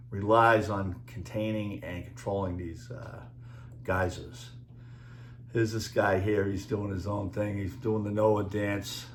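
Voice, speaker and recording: A man with a Boston accent rambling through a casual monologue, halting often with fillers as he talks over slides. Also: lowish voice, roomy sound, slight background noise. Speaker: video creator and author.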